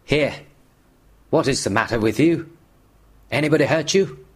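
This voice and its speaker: A man voicing a rough, unsympathetic street peddler in a spooky storybook reading. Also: mid-range voice, moderate pace, pitched above the performer's own voice, close to an everyday voice. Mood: gruff. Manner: rough, curt. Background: music.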